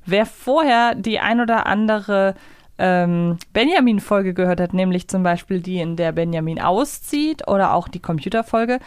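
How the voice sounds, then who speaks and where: A woman's voice: mid-range voice, normal speed, smooth, no room sound, clean studio sound. A woman co-hosting a podcast, chatting casually as she recaps a story. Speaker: podcast co-host. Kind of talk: casual chat recapping an episode.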